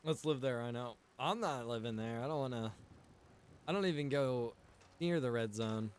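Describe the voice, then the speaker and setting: A man's voice: mid-range voice, moderate pace. A laid-back man chatting to viewers in rambling, slangy game livestream commentary. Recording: clearly noisy, background ambience.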